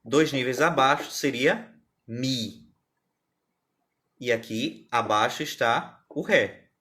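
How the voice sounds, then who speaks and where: A man's voice: medium pitch, slow, bright, forceful tone. Patient male music teacher. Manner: patient, explains step by step, asks viewers questions. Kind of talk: live online music theory lesson.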